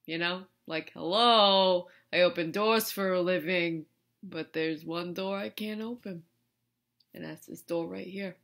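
A woman's voice: on the low side, measured pace, a bit bright. A woman playing an earnest, self-pitying doorman, confiding hesitantly in a comedy sketch. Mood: wry, wistful. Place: small room indoors.

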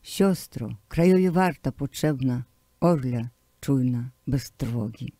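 A man reciting translated poems in a slow, declamatory way, pressing hard on key words. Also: medium pitch, mellow, no room sound. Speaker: poetry reader. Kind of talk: poetry recitation.

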